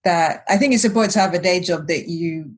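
A woman's voice: on the low side, quick pace, breathy edge. A woman co-hosting a podcast, chatting casually in a reflective way with many hedges. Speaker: podcast co-host. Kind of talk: casual chat.

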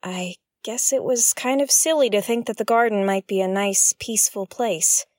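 A woman's voice: mid-range voice, normal speed, a little mellow, no echo, clean studio sound, close to an everyday voice. A woman playing an inquisitive young spaceship explorer in an audio drama, wryly talking to herself as she goes. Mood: curious, musing. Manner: talks to herself, wry and inquisitive. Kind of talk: audio drama acting, narrating actions aloud.

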